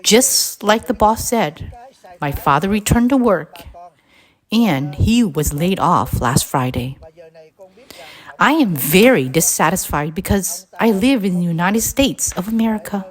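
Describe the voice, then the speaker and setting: A woman reading a scripted address aloud in a deliberate, halting way, phrase by phrase. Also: mid-range voice, expressive. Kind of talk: scripted read-aloud narration.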